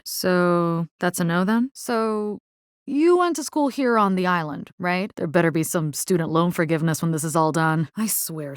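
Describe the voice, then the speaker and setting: An actress as a brash Latina vampire-fighting engineer, dry close sound. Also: female voice, lowish voice, dry recording, close to an everyday voice. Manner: brash, teasing, slangy with Spanish interjections. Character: tough, wisecracking young female robotics engineer fighting vampires. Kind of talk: video game character voice lines.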